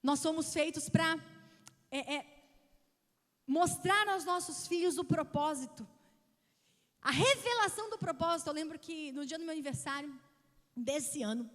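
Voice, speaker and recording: A woman's voice: high-pitched, moderate pace, long pauses. A Brazilian woman in her thirties, a pastor preaching an emphatic sermon and acting out the people in her stories. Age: 30s. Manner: emphatic, acts out quoted voices. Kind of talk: sermon with storytelling. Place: church hall, broadcast on TV. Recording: long reverb of a church hall.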